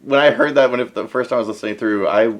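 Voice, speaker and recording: A man's voice: medium pitch, racing, lo-fi sound, crowd noise. A man co-hosting a music review podcast, talking enthusiastically and laughing often. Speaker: podcast co-host. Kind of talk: casual chat.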